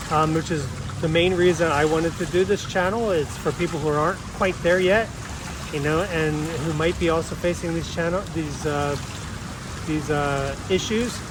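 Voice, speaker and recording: An American man talks at a fairly high pitch with fairly even intonation. Noticeable background noise and audible room echo surround him. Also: moderate pace. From Pennsylvania Dutch culture, US. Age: 50s. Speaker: YouTuber, expat nearing retirement. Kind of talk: unscripted vlog monologue. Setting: outdoors in a pool, handheld camera. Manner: halting, hesitant.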